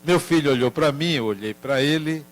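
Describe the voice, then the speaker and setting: An older man giving a spiritist lecture, telling a family story in a gentle, measured way. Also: fairly high pitch.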